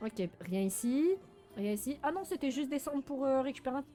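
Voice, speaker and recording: A woman giving casual, animated live commentary while playing a video game, with a playful, teasing, mock-boastful manner. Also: high voice, a little fast. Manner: animated, frequent laughing and exclaiming. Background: game music.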